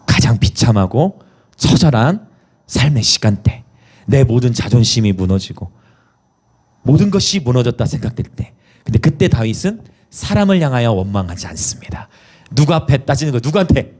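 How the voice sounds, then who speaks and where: A middle-aged man preaching a sermon as pastor, passionate, dropping to hushed whispers and acting out pleading prayers. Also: very animated, normal speed, slightly rough. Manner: impassioned, swings from hushed whispers to high cries.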